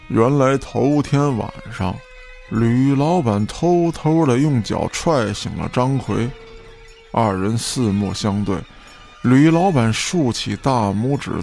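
Guy narrating a radio drama, mid pitched, lots of fry, very lively delivery.

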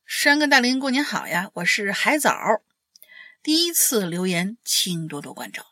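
A woman's voice: mid-range voice, sing-song, moderate pace, pushed and bright, no room sound. A woman co-hosting a chat show, chiming in with short playful reactions and reading a listener letter aloud. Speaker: co-host.

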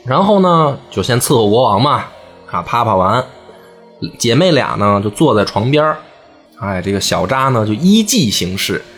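Man, comic storyteller, very lively pitch, laughs often, faint music. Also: moderate pace. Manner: animated, laughing, jumps into voices. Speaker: podcast storyteller. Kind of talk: comic retelling of a folk tale.

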